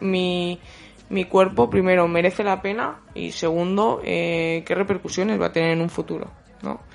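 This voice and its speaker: With music playing in the background, the speaker goes at a fairly slow pace and keeps a fairly even intonation. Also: woman. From Spain, Teruel (Aragon). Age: 20s. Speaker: football coach, former professional footballer. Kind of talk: interview. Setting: studio.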